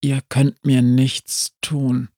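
A man voicing a weary, fearful male zombie who speaks slowly in a low murmur, sometimes whispered. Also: completely flat delivery, dark tone, no echo, clean studio sound.

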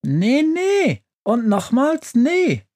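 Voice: wildly swooping pitch, extremely slow, heavily acted. Baba Yaga, a snappish young witch. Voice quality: high, sharp, snappish. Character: young grumpy rude witch, crying inside. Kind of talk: storybook reading.

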